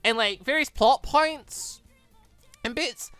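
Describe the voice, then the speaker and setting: A man's voice: very high-pitched, slow, bright, forceful tone, smooth, no echo, soft background music. A man hosting a gaming channel, rambling enthusiastically as he wraps up a visual novel playthrough. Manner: rambling, enthusiastic, many restarts. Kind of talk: casual game wrap-up commentary.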